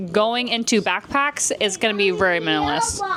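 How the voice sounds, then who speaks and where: Over noticeable background noise, a woman talks at a fairly high pitch and a fairly quick pace. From Florida. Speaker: family vlogger. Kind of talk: casual vlog talk. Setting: in an RV. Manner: fast.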